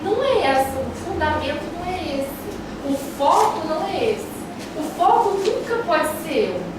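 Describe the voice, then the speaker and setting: Teaching a preaching class, a Brazilian woman lectures in a high voice with big pitch swings and a measured pace. She is didactic, repeating key phrases to drive them home. The audio is very echoey and noisy, captured from a distance.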